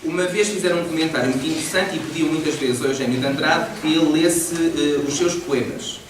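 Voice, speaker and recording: Male teacher, a bit higher voice, animated and laughing, recorded far off in a noisy echoey hall. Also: a little fast. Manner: lively, explanatory, laughs often. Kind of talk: classroom poetry lesson. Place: large echoey library hall.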